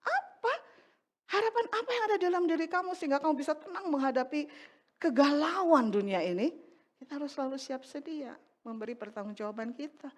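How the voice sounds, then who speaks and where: A woman's voice: high voice, fast talker. A middle-aged woman preaching a sermon in church, telling a personal testimony and acting out the voices in her story. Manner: animated storytelling, acts out dialogue.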